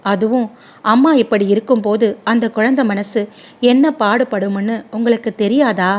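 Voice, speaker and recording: A woman's voice: a little high, a little mellow, lightly acted. A woman voicing a kind, talkative young neighbor woman who speaks earnestly and pleads. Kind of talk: storybook dialogue.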